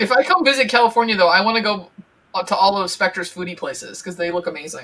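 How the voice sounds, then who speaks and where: A woman speaks at a very fast pace, her medium pitch moving with ordinary variation. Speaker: quiz contestant. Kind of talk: casual chat. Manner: loud.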